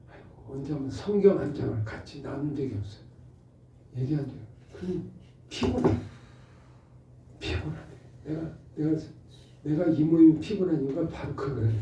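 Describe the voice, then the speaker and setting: A middle-aged male pastor giving an animated Bible study, asking rhetorical questions and acting out short exchanges. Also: on the high side, slight background noise. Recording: muffled roomy audio from a distant mic.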